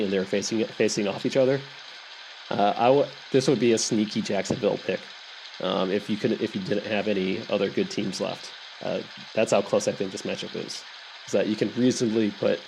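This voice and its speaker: Low-voiced man rambling over soft rain. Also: creaky, slight background noise, poor audio. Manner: rambling, thinking aloud, self-correcting. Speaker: podcast host. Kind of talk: casual sports picks monologue. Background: soft rain sounds.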